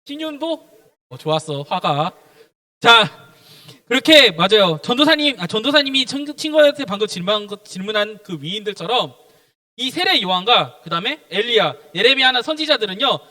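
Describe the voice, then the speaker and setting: A young man preaches to children, firing question after question at them. His voice sits very high and bright, and it leaps around as he speaks. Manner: animated, quizzes the children with questions. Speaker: junior pastor at a children's service. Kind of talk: children's sermon.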